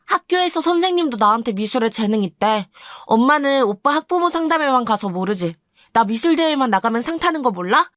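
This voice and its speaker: Woman voicing a high, aggrieved teen girl, indignant and pleading, storybook narration. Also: expressive, fairly quick, fairly bright tone, no room sound, clean studio sound. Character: aggrieved teenage daughter, bright and indignant.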